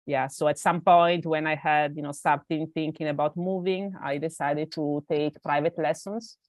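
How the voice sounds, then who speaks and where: A woman's voice: deep voice, fairly even intonation, moderate pace, no echo. A woman from Italy, a native Italian speaker with an Italian accent, chatting as an interview guest, hesitant with many fillers and restarts. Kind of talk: casual interview chat.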